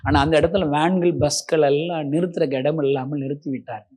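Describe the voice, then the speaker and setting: A middle-aged male preacher gives an emotional testimony sermon, swinging from loud pleading to hushed, near-tearful speech. His voice is a little high and steady, fairly quick, and he addresses listeners directly and respectfully.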